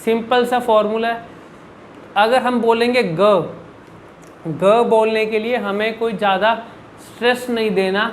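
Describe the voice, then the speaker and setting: A man's voice: extremely high pitch, slight background noise, poor audio. A man working as a speech coach, answering viewer questions in an instructional video and demonstrating each sound by repeating syllables and words. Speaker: speech and public speaking coach.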